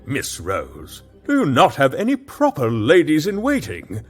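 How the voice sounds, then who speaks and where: An actor playing a flustered but kindly baron who stammers, then gently reassures. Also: male voice, medium pitch, huge pitch swings, a little slow, husky, faint music behind, full character voice. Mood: flustered concerned. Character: flustered middle-aged male baron, kindly advisor. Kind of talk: audio drama acting.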